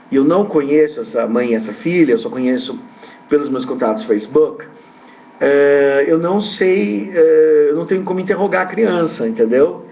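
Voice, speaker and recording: A man with a slightly raised voice gives a rambling commentary as a ufologist host. He hesitates, repeats himself and keeps tossing in tag questions. The recording sounds dull and lo-fi. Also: on the high side.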